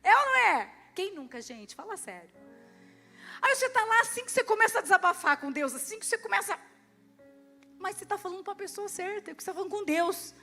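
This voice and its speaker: A Brazilian woman pastor preaching at a church service, lively, swinging between loud and hushed, and acting out prayers and dialogue. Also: very high voice, fast, faint music behind. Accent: Brazilian Portuguese. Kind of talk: sermon.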